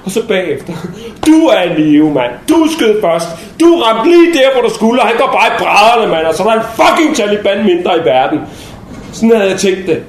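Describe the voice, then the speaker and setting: A man's voice: high voice, big pitch swings. A young man acting a brash, shaken male soldier in a theatrical monologue, coarse and restless, in a roomy space with faint noise. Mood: agitated.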